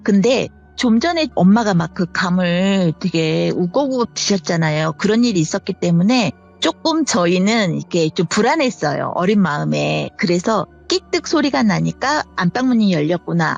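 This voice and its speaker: A woman's voice: medium pitch, lively intonation, normal speed, creaky, few pauses, muffled recording, soft background music. A woman in her fifties telling her own horror story in a chatty, conversational way, acting out the voices of the people in it.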